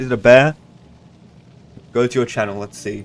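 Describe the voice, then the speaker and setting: A man talks at a very fast pace. Music runs in the background. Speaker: gaming streamer. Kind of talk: live gameplay stream. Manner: casual, thinking aloud.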